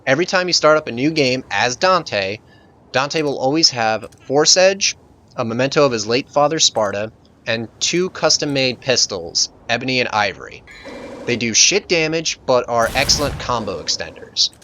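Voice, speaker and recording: A man's voice: mid-range voice, expressive, moderate pace, sharp tone, a little hiss or hum. A man giving casual, jokey gameplay commentary as the host of a let's play.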